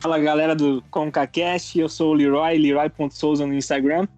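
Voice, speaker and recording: High-voiced man, close and dry. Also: little pitch movement, normal speed, darkish tone, no echo, faint music behind. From United States and Brazil. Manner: informal, slangy. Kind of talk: casual chat.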